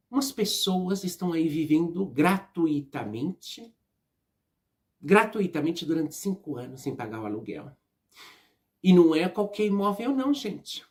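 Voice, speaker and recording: A woman's voice: very deep voice, a little mellow. A Brazilian woman with a Brazilian Portuguese accent, talking straight to her viewers in a casual opinion vlog, emphatic and repeating herself, often tagging "né?" and "tá?". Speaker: vlogger.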